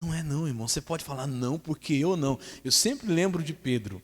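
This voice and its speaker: Preaching a sermon as a pastor in a church hall, a man with a Brazilian Portuguese accent speaks fast and emphatically, his lively voice on the high side swinging up and down as he puts questions to the congregation. The recording carries echoey hall reverb.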